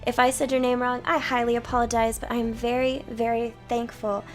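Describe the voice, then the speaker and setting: Let's play host: woman, higher-pitched voice, narrating a story game over faint music. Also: little pitch movement, a little fast. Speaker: gaming channel host.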